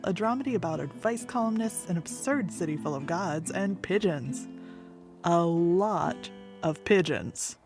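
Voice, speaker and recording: A woman announcer played by an actress pitches an absurd comedy podcast in infomercial style. Her medium-pitched voice rides over loud plucked guitar music. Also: lightly acted. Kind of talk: scripted comic podcast trailer narration.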